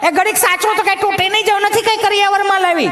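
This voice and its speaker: A man's voice: very high-pitched, level tone, fast, pushed and bright, voice pushed up. A man voicing a nagging village wife who snaps back while making rotis. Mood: snappy. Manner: snappy, complaining retorts. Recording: music behind the voice.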